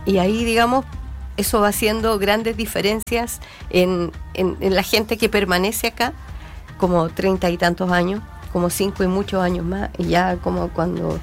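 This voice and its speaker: A woman speaks as a folklorist guest on a talk show. She talks thoughtfully and clears her throat now and then. Faint music sits behind her voice. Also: medium pitch. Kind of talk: casual interview talk.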